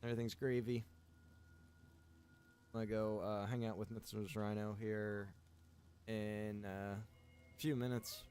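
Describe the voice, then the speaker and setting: Laid-back lower-voiced gaming streamer man. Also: a little slow, pauses often, soft background music. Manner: rambling, relaxed, chatty with viewers. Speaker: streamer and server owner. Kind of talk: casual gaming stream chat.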